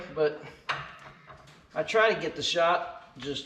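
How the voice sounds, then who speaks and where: Moderate-paced speech from a man, noticeable background noise and audible room echo around it. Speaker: tractor hobbyist video maker. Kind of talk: casual workshop narration. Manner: loud.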